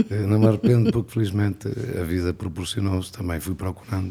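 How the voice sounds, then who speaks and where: At a fairly quick pace, a man speaks in a fairly low, somewhat breathy voice with a dark, mellow tone and fairly even intonation. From Portugal, Douro region. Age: 60s. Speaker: mayor. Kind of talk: podcast interview. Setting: podcast recording.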